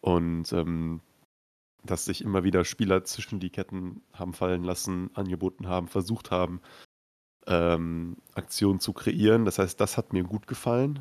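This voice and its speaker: Recorded with a dry, close sound and no echo, a man with a very deep, low pitch talks at a moderate pace with fairly even intonation. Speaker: football podcast host. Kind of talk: casual chat.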